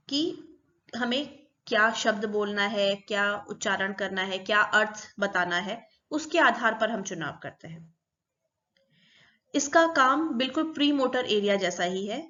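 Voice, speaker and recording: A woman with a fairly high voice teaches a psychology lecture. She explains patiently, one step at a time, and repeats the key terms. The recording sounds dull and lo-fi. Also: a bit bright.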